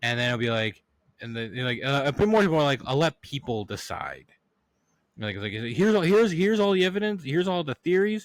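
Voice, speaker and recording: In a very clean recording with a silent background and a dry, close sound with no echo, a man speaks at a fairly quick pace with very wide pitch swings. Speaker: podcast host. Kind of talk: casual monologue. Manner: fast when excited; animated.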